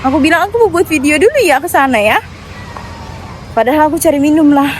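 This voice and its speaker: Her voice is high and the recording quality low as this Indonesian woman vlogs casually for her viewers. She's walking around a bustling outdoor amusement area and a nearby shop.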